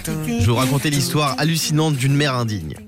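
A man's voice: mid-range voice, brisk, loud music behind the voice. A man hosting a morning radio show, telling odd stories and running quizzes with a playful, teasing manner. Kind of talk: lively morning radio chat.

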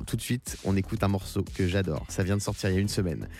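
A man's voice: deep voice, fast, darkish tone, soft background music. Upbeat man doing promotional radio patter. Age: early thirties. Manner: teasing, playful. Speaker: radio host.

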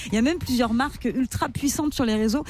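A woman co-hosting a radio show, reading quick entertainment news in a chatty way. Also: high voice, a little mellow, soft background music. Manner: chatty, laughs easily. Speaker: radio co-host. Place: radio studio.

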